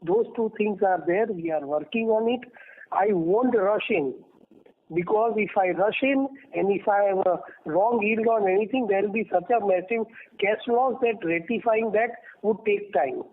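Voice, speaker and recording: A man's voice: high voice, normal speed. A man with an Indian accent answering questions as a company executive on an earnings call, speaking emphatically and repeating himself for stress. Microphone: telephone. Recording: muffled narrowband phone conference line.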